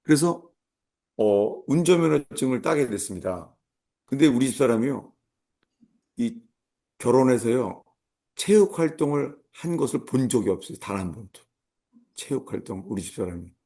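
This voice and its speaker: A middle-aged pastor preaching at a mid pitch, his voice rough and gravelly. He tells a personal story with comic asides and now and then bursts out with mock commands. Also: animated, moderate pace, long pauses, mellow. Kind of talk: sermon.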